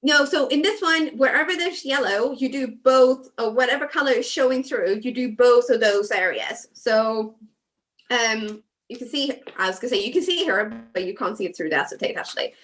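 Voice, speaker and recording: A woman from Sweden talking casually as a craft show guest over a video call, chatty with many fillers and soft asides. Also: fairly high pitch, animated, normal speed. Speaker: guest designer. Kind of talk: casual chat while crafting.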